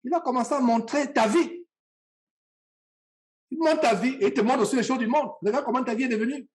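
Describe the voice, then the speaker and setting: A man's voice: extremely high pitch, a little fast. A man from Cameroon, preaching a sermon and speaking straight to his listeners with passion and repetition.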